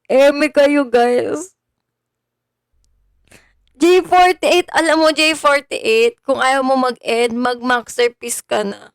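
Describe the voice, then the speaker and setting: Speaking in a high-pitched, clean tone, an idol livestreamer from Bulacan in the Philippines chats casually on a phone stream, greeting her viewers by name. The audio is studio quality with no echo.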